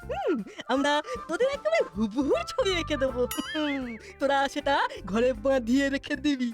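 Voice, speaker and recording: A woman's voice: sits high, big pitch swings, normal speed, soft background music. A woman voicing a sly, boastful cartoon boy who bosses and brags as the scheming elder brother. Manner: bragging, bossy. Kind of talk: cartoon voice acting.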